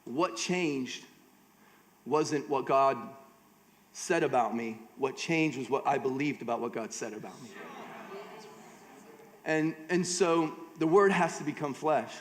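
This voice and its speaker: A middle-aged American man preaching a conversational sermon at a church conference, slipping joking asides between scripture readings. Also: fairly high pitch. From United States. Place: large church auditorium. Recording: long hall reverb.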